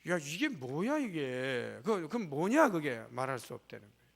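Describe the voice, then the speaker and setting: A middle-aged male preacher tells stories from the pulpit in a chatty, joking way. His voice is strongly gravelly and sits a little high. The sound rings out with a long reverb in the church sanctuary. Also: big pitch swings, moderate pace. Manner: folksy, humorous and conversational. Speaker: guest preacher at a revival meeting. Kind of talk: storytelling sermon.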